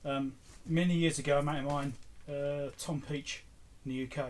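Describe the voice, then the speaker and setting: Man rambling casually, slightly high voice. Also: fairly even intonation, moderate pace. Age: middle-aged. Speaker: electronics repair video host. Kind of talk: casual unscripted show-and-tell. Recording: clear background noise with clicks.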